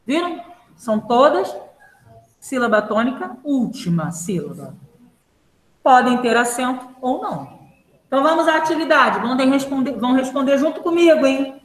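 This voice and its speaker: A woman's voice: high voice, sing-song, moderate pace, reverberant, low-quality recording. A woman teaching a primary school grammar class, patiently repeating rules and asking the class questions, with a Brazilian Portuguese accent. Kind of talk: online class lesson.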